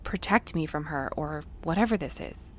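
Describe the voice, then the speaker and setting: A woman's voice: low voice, animated, moderate pace, a little hiss or hum. An actress playing an earnest, romantic, stubborn woman courier, emotionally open, in a naturalistic audio drama. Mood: hurt, defensive.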